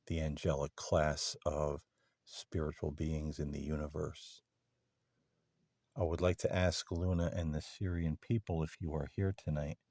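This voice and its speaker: A man speaking earnestly and deliberately in formal phrases, hosting a paranormal session as he solemnly addresses unseen beings. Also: a bass voice, darkish tone, dry recording, studio quality. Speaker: host of paranormal contact sessions.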